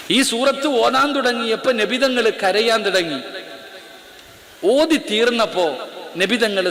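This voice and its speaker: A man's voice: high voice, a bit bright. A male Islamic preacher giving a sermon to a live audience in an auditorium, ordering the crowd about and then telling a story with drama. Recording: echoey auditorium with long reverb.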